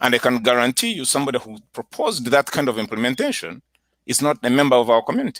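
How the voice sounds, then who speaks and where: Speaking very fast with a Ugandan accent, a man comes across with a dry, close sound with no echo. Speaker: candidate for community association office. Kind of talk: interview. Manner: halting, with frequent repeated words.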